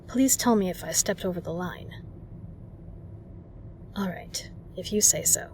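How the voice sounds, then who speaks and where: A woman's voice: on the low side, a little slow, background noise. A woman playing a kind, protective, flirtatious bar regular in an audio roleplay, speaking earnestly and reassuringly to the listener. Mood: hesitant, apologetic.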